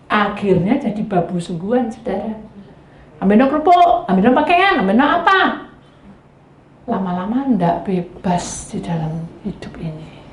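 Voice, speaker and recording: Woman pastor preaching, pitch jumps all over, echoey hall, bit of noise. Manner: lively storytelling, acting out quoted spouses in a high voice; addresses the congregation directly. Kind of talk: sermon.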